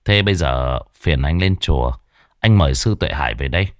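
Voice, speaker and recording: A man voicing a stern middle-aged village exorcist, speaking gravely and with authority. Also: very deep voice, expressive, fairly quick, no echo, studio quality, voice pushed down. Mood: commanding. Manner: grave, commanding.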